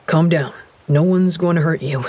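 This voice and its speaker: A woman voicing a calm, firm middle-aged father in a lowered, steady, soothing voice. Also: normal speed, breathy edge.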